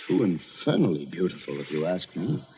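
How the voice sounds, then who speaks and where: A jittery young honeymoon husband in an old radio thriller, protective and easily exasperated. His lowish voice moves around a lot in pitch, and the recording is dull with age. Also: big pitch swings, brisk. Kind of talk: old-time radio drama acting.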